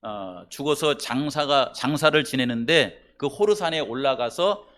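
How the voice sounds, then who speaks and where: A male pastor preaching a sermon in a church, conversational, often asking the congregation questions, swinging between loud emphasis and quiet asides. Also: medium pitch, animated, unhurried.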